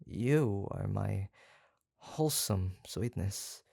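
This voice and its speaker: An actor playing an obsessive, doting yandere kidnapper in a roleplay audio drama, halting and coaxing, tender yet menacing. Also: sits low, lively intonation, vocal fry, dark tone, no room sound, clean studio sound, exaggerated voice. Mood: adoring. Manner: halting, gushing, coaxing, with nervous stammers. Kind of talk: roleplay audio drama, intimate one-sided monologue.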